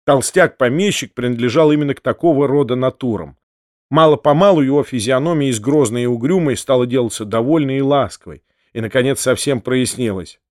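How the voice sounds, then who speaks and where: A man narrating a classic novel as an audiobook in a measured, expressive way. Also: medium pitch, no room sound, studio quality. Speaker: audiobook reader.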